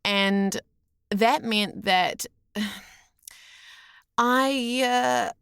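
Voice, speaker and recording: A woman's voice: fairly high pitch, extremely slow, creaky, a bit bright, clear, resonant tone, no echo, studio quality. A woman in her thirties with a New Zealand accent, telling personal stories casually and expressively as an interview guest. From rural New Zealand. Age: 30s. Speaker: podcast guest, voice actor.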